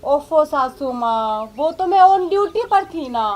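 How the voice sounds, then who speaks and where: A woman playing a sharp-tongued young police officer who is also a daughter-in-law. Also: very high-pitched, normal speed, heavy background noise. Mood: teasing. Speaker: police officer in a comedy telefilm.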